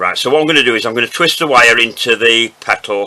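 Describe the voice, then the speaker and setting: Fairly quick talk from a man with a Yorkshire accent and ordinary pitch variation. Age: 70s. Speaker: cake decorator. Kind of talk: tutorial. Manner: casual.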